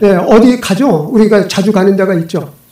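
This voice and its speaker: At a fairly slow pace, a man with a high voice speaks with ordinary pitch variation over noticeable background noise. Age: 70s. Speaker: pastor. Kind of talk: sermon. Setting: church. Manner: conversational, interactive with congregation.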